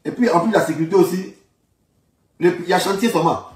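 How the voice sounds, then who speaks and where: A high-pitched, fast-talking man from Ivory Coast, speaking with an Ivorian French accent, gives informal political commentary. He insists on his points and repeats phrases emphatically, and the distant mic picks up a roomy echo.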